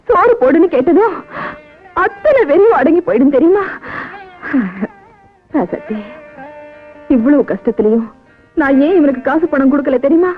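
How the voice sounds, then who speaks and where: An actress playing a remorseful elder sister who speaks with heartfelt emotion. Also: female voice, high-pitched, phone-quality sound. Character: older sister figure, remorseful bootlegger woman. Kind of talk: 1990s Tamil film acting.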